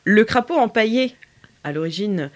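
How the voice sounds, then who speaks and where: A woman's voice: medium pitch, expressive, normal speed. A woman narrating as game master of an improvised tabletop game, hesitant and full of filler sounds. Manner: hesitant, many filler sounds, laughs often.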